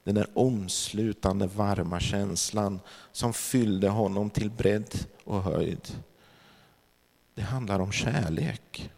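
A man with a lowish voice tells a spiritual testimony, sermon-style. He speaks reflectively, pausing often and hesitating with fillers. His voice rings out with a long reverb, as in a large hall. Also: gravelly, a little mellow. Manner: reflective storytelling with pauses and fillers.

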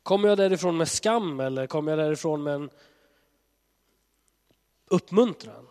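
A congested man preaching in a searching, conversational sermon, his voice sitting slightly high. Long reverb follows him around a church hall. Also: a little mellow. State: has a cold.

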